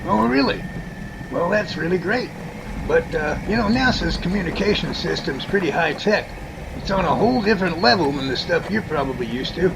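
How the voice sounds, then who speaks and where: A man's voice: high voice, expressive, normal speed, vocal fry, background noise. A man playing a friendly but skeptical, mildly condescending organizer in an amateur audio drama. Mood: doubtful.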